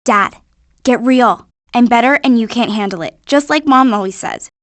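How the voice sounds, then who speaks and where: A woman's voice: a little high, moderate pace, fairly bright tone, no room sound, natural voice. A woman voicing a sassy, savvy teenage animal girl in a video game, with an American accent and casual teen phrasing. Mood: sarcastic.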